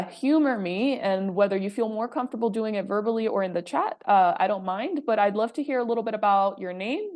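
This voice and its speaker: Leading a friendly workshop on a video call, this Puerto Rican presenter speaks in a mid-range, slightly mellow voice. Her casual delivery is sprinkled with frequent "um"s.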